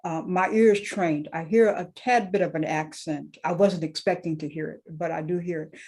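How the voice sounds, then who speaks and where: A woman's voice: on the low side, steady tone, normal speed, darkish tone, slightly rough. A woman hosting a podcast who asks questions in an affirming, conversational way. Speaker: podcast host. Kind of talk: podcast interview.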